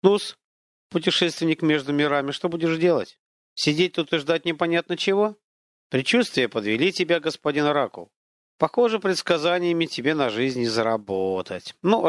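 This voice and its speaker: A man's voice: a little high, expressive, normal speed, no echo, clean studio sound, lightly acted. A man voicing a lost, nervous young man who answers hesitantly and stammers. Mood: wry.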